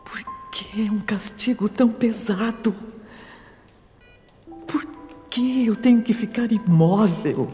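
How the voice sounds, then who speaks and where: A woman's voice: mid-range voice, slow pace, pauses often, warm tone, faint music behind, lightly acted. A woman playing a bitter, suffering bedridden young woman's inner voice in a Brazilian radio soap opera. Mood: anguished, bitter. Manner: anguished, dramatic. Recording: long reverb as inner voice.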